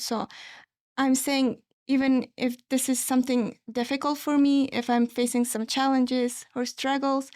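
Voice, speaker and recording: A woman's voice: fairly high pitch, darkish tone, no echo, studio quality. A young woman from Afghanistan, speaking earnestly as an interview guest, with many fillers and restarts. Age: young adult. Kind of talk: personal interview answers.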